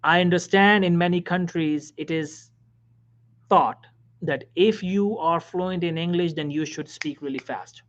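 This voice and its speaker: A man, a physician, giving career advice in a motivational talk, emphatic and repetitive, dropping now and then to a soft whisper. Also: fairly high pitch, a little slow. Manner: emphatic, repeats key phrases, drops suddenly to soft whispers. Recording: dull lo-fi recording.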